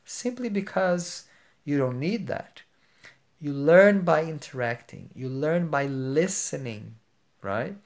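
A man's voice: fairly high pitch, a little mellow. Male, 30s, Portuguese accent, earnest teacher speaking close into a phone camera. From Portugal or Brazil. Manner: earnest, explains with everyday examples, checks in with "right?". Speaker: English teacher. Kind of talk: explanatory video lesson. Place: indoor room with plain wall. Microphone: phone camera held close.

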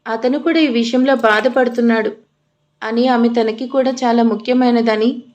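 A woman narrates an audio love story in a steady, expressive storytelling voice. Her pitch sits fairly high for a woman. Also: normal speed.

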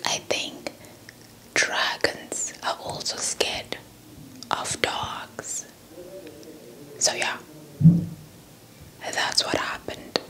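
A young South African woman whispers a folktale as ASMR, breathy and close to a handheld mic with a fluffy windscreen, repeating words and phrases with playful roleplay. She draws words out and leaves long pauses, her tone pushed and bright. She sits in a small indoor setup in front of a cloth backdrop.

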